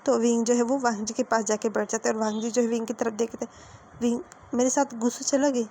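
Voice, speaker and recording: Chatty high-voiced woman storyteller. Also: little pitch movement, fast, dark tone, slight background noise. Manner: chatty, links every line with "so he says". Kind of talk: casual retelling of fan fiction.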